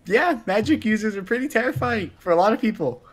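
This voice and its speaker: A man's voice: sits high, lively intonation, fast talker. A man playing a tabletop roleplay game, bantering playfully and casually, often repeating his phrases.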